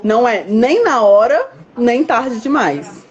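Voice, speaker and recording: A woman's voice: fairly high pitch, big pitch swings, slow pace, muffled recording. A woman hosting a casual online conversation, explaining at length with everyday examples. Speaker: host. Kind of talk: casual chat.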